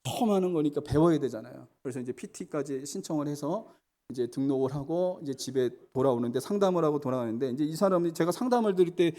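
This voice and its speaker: Delivering a sermon with earnest conviction, a middle-aged pastor frequently addresses the congregation, alternating between forceful, loud emphasis and hushed storytelling. He has a fairly high, animated voice and speaks fast.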